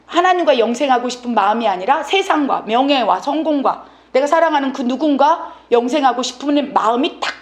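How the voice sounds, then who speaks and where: A woman missionary pastor preaching a fervent, dramatic sermon, sometimes dropping her voice suddenly soft. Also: on the high side.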